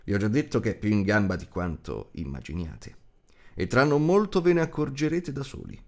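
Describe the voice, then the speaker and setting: A man's voice: lowish voice, very animated, a little fast. A man voicing a stern, commanding old wizard in an audiobook, admonishing and teasing with emphatic delivery. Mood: firm, encouraging. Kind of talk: audiobook character acting.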